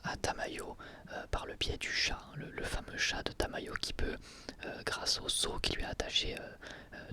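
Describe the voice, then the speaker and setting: Acting as the channel host, a man whispers an ASMR review of an anime episode. He keeps to a soft whisper the whole way, sounding hesitant, often using filler sounds and restarting his sentences.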